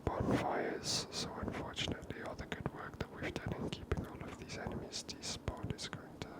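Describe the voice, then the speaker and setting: An ASMR host whispering a casual commentary while playing a video game, soft and musing, with frequent hesitations. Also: brisk. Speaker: gaming ASMR channel host.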